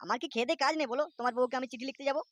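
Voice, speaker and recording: Man voicing a high-pitched blustering cartoon dad. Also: rapid-fire, fairly bright tone, no room sound. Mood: indignant, defensive. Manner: blustering, foul-mouthed scolding. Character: hot-tempered, indignant village father in comedy cartoon. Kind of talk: Bengali comedy cartoon dubbing.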